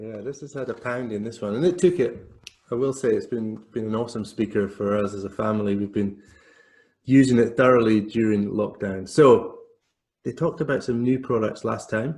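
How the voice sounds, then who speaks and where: A man speaks with a British accent. His pitch varies in an ordinary way. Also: medium pitch for a man, fairly quick pace. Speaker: podcast co-host, tech business owner. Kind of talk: casual chat.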